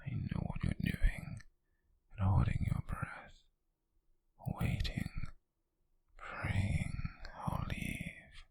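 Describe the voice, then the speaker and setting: A British man playing an obsessive, menacing stalker in an ASMR roleplay, whispering in a teasing, possessively tender way with a breathy, gravelly voice. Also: low-pitched, a little mellow, full character voice. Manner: slow, lingering, teasing and menacing. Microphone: very close, dry microphone.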